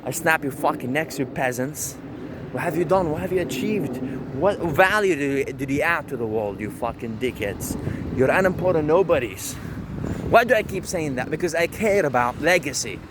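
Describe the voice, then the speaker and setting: A man's voice: a little high, lively intonation, normal speed, noisy background. Brash, profane Arab man rambling outdoors. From Syria. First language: Arabic. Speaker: vlogger. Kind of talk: rambling self-talk monologue.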